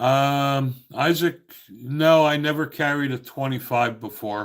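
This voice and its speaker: Very slowly and with fairly even intonation, a man in a New Jersey accent speaks at a fairly high pitch. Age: 60s. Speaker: gun channel host. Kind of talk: live stream chat reading viewer comments. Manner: casual, many filler words.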